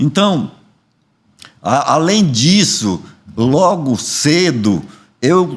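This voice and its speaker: Very wide pitch swings run through what a man says. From Amazonas, Brazil (Boca do Acre). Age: 60s. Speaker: pastor. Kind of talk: interview testimony. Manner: halting, with many restarts.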